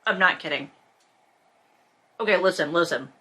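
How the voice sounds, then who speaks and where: Woman, bright forceful voice, book read-along host, sarcastic commentary, blunt, sweary, exasperated. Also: on the low side, moderate pace. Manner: sarcastic, emphatic. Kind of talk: reading aloud with sarcastic casual commentary.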